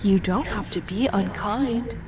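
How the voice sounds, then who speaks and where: An actress plays an eerie female double, cool and taunting, in an audio drama. Her middle-pitched voice needles and mocks. There is clear ambient noise behind it. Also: unhurried, close to an everyday voice. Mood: cool, needling. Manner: echoes words, taunting, cool. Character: uncanny, needling female doppelganger, cryptic and mocking.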